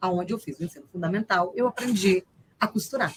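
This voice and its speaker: Her tone is bright and sharp. A woman speaks at a fairly quick pace. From Brazil, interior of Minas Gerais. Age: 40s. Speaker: lawyer and law professor. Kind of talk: podcast interview.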